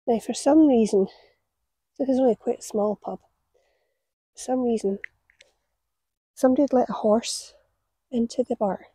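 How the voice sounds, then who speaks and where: On an outdoor allotment garden, a woman in her forties works while chatting to a camera set on the ground a few metres away, spinning stories and laughing at her own tales as a gardening vlogger. Her fairly high, mellow voice has a breathy edge, comes at normal speed with frequent pauses, and is recorded dry.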